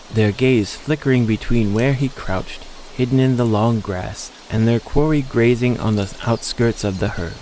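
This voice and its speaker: A man's voice: medium pitch, a little mellow, slight background noise, poor audio. A man delivering scripted, dramatic narration of a story as the narrator.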